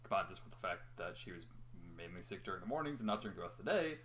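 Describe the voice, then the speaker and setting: Here a young adult with a deep, slightly bright voice reads a story at a very fast clip, the intonation lively. The reading is casual and amateur, with occasional stumbles plus teasing and swearing between passages. Background noise is noticeable.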